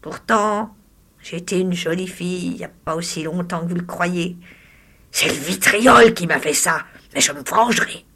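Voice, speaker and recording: A woman's voice: normal speed, pushed and bright, breathy edge, exaggerated voice. A woman reading a short story, voicing a spiteful, greedy, disfigured old hag with a grating, cackling voice. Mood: shrill, sneering. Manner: wheedling, shrill, sneering.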